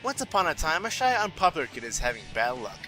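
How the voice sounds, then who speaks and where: Young guy doing a snarky anime review, talks fast, lots of bouncy pitch. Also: sing-song, pushed and bright, soft background music. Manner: sarcastic, joking asides. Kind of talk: scripted comedic review narration.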